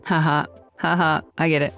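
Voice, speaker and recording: A woman's voice: sits low, level tone, normal speed, a bit bright, soft background music. A woman audiobook narrator in studio outtakes, breaking into giggles as she reads. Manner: giggling, breaking up mid-line. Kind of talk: studio outtakes, reading and laughing.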